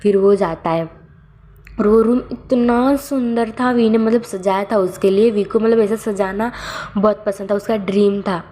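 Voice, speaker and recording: A woman's voice: medium pitch, steady tone, measured pace, warm tone. A woman casually narrating a fan story, rambling with many fillers and self-corrections.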